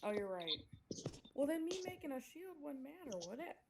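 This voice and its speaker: A woman's voice: high-pitched, very animated, moderate pace, very noisy. A woman player chatting casually at a tabletop game, hesitant and unsure of herself.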